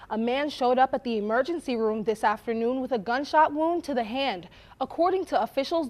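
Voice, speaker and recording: A woman reading scripted local news as an anchor at a studio desk. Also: high voice.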